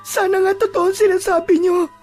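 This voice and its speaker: A woman's voice: very high-pitched, flat delivery, fairly quick, a little mellow, soft background music. A woman playing a distraught, anxious mother in an audio drama, pleading in a tearful, melodramatic way. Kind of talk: Filipino audio drama acting.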